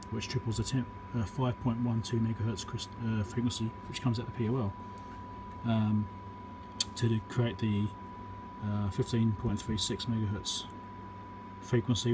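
A man giving a casual, hands-on electronics repair demonstration, talking matter-of-factly through each step as he works. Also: fairly low pitch. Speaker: electronics repairer and video host. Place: indoor electronics workbench. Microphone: handheld camera or phone microphone. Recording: loud hiss and background noise, handheld camera.

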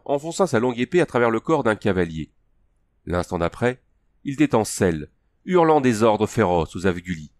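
Low-pitched male audiobook narrator, measured and steady, dry close sound. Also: no echo. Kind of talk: scripted narration of a fantasy story.

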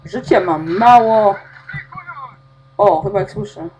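A woman's voice: mid-range voice, takes it slowly, a little mellow, dull audio. A woman playing a video game, talking to herself and swearing constantly as she gets lost and frustrated. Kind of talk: swearing gameplay commentary.

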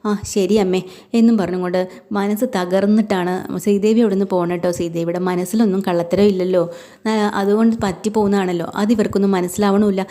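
A woman's voice: mid-range voice, steady tone, fast talker, warm tone. A woman casually retelling a TV serial episode, chatty and full of tag questions. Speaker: storyteller.

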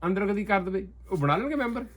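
Fast-talking, emphatic man. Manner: talks fast, emphatic, often animated, drops low for asides. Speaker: interview guest. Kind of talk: political discussion.

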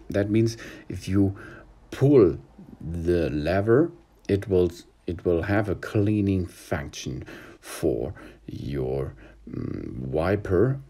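This man's voice sits low, dark and husky as he gives an instructional car walkthrough from the driver's area, shot on a handheld phone. He is methodical but hesitant, pausing often.

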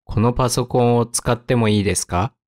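A man teaching vocabulary, saying each word and example sentence twice, slowly and carefully, then giving its meaning. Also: mid-range voice, darkish tone, no echo, clean studio sound. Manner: slow, careful enunciation with repetition. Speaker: Japanese teacher.

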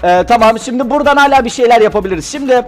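A young man giving excitable Let's Play commentary, chatty and prone to frustrated outbursts. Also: very high-pitched, rapid-fire, faint music behind. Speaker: gaming YouTuber.

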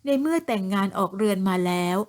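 A woman voicing a gentle young wife in a storybook drama, speaking softly, slowly and politely. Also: mid-range voice, lively intonation, close to an everyday voice. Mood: sorrowful. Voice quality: soft, slow, polite. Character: young gentle wife, sorrowful but proud.

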